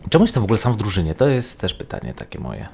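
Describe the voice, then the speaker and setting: A man giving casual, rambling gameplay commentary, thinking out loud as he plays. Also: fairly low pitch, wildly swooping pitch, rapid-fire, gravelly, soft background music. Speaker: gaming video host.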